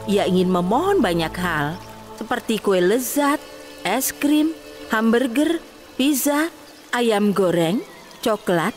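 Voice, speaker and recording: A woman narrating a scripted children's fairy tale as the storyteller. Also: fairly high pitch.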